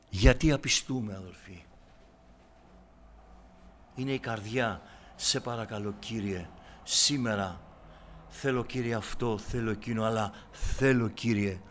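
Guy preaching, bright edgy voice, goes from near whispers to loud pleading. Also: mid-range voice. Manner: swings from soft, almost whispered prayer to loud impassioned preaching. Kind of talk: sermon.

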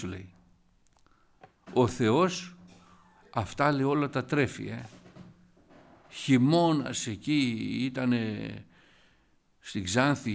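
A man gives a sermon in a loose, storytelling way, speaking to his congregation as brothers. His voice is gravelly, with a rough fry at the ends of phrases, and he keeps stopping to cough or add asides. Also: mid-range voice. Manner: storytelling, retelling scripture with many asides and coughs. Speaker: preacher. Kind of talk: informal sermon.

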